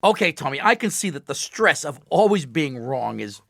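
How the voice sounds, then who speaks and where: A man's voice: on the high side, moderate pace, gravelly. An older man co-hosting a call-in radio show, joking and laughing often as he gives car advice. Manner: jokey, laughs often, lively sing-song delivery. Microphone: studio microphone.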